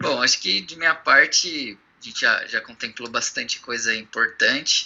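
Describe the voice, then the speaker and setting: Speech at a moderate pace plays over noticeable background noise. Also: man. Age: 20s. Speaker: information security specialist. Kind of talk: casual chat. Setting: remote recording.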